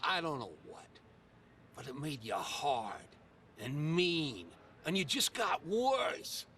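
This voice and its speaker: A man's voice: on the high side, wildly swooping pitch, takes it slowly, pushed and bright, recorded from a distance, a little hiss or hum, full character voice. An actor playing a kindly, plainspoken older working-class man in a video game, sentimental and hesitant, with folksy, ungrammatical phrasing. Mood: regretful. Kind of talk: video game dialogue acting.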